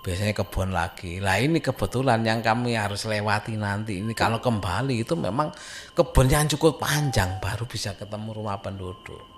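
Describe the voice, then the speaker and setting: His voice is on the low side and his pace brisk, with slight background noise, as a man from a Javanese-speaking Indonesian village shares a scary story. He speaks with an East Javanese accent in an informal, conversational, suspenseful way, repeating phrases to stress them.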